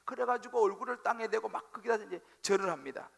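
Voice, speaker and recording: A male pastor preaching a sermon, telling the story with animated, acted-out quotes. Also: sits high, quick pace, gravelly, husky. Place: church sanctuary.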